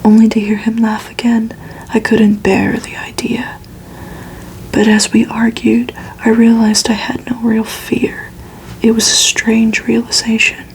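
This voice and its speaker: Slow whispering woman reading a story. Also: on the high side, monotone, a little hiss or hum, poor audio. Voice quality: breathy whisper. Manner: hushed, unhurried whispering. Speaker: ASMR reader. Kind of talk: ASMR whispered audiobook reading.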